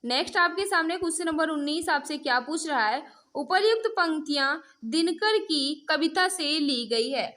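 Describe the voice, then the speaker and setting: A woman with a high-pitched voice leads an exam-prep quiz. She speaks straight to her learners as friends, reading questions and prompting them again and again for the answer. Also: expressive, normal speed, bright, forceful tone. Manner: repetitive prompting, addresses learners directly as friends. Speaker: teacher hosting an online exam-prep class. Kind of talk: interactive mock-test lesson, quizzing viewers.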